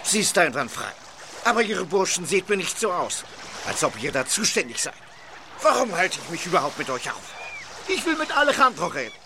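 An actor playing a gruff male arms dealer in an old radio play, with unusual diction and an odd tic in his voice. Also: high-pitched, sing-song, fairly quick, background noise. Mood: impatient.

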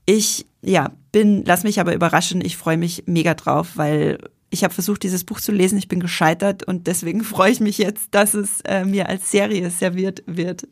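An Austrian woman talks casually on a podcast, stopping and restarting her sentences and filling gaps with little hesitations. Her mid-range voice has a gravelly edge, and the recording is close and dry. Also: lowish voice, fairly even intonation, moderate pace, hardly any pauses, dry recording. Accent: Austrian German. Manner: chatty, frequent fillers and restarts. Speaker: podcast co-host, film journalist.

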